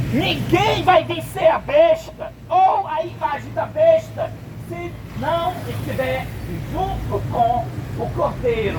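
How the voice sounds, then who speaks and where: A man with a Brazilian accent preaching an emphatic open-air sermon that rises into shouts. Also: very high voice. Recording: distant mic, loud street traffic.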